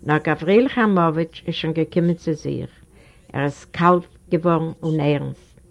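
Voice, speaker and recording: A woman, a native Yiddish speaker, reading a novel aloud in measured, steady narration. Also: deep voice, vocal fry, highs cut off. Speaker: audiobook reader. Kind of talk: literary audiobook narration. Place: library recording studio.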